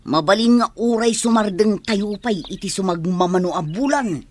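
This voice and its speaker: A man's voice: high voice, animated, normal speed. A man with an Ilocano Filipino accent acting an eager, cocky bank robber henchman in a radio drama, faintly noisy recording. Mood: gleeful.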